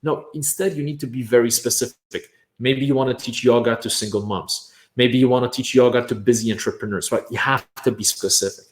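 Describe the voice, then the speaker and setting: A Polish man, Polish his first language, gives a lively online workshop on making courses, using "right?" and a repeated "bam" to stress his points. He talks a little fast at a medium pitch, and the recording is reverberant.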